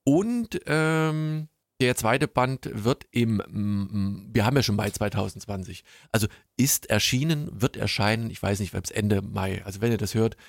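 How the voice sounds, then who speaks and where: A man co-hosting a comic podcast in a casual chat, often stumbling and repeating words as he talks. His voice has a gravelly fry, and it is recorded dry and close with no room sound. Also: fairly low pitch, measured pace, no room sound. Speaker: podcast co-host.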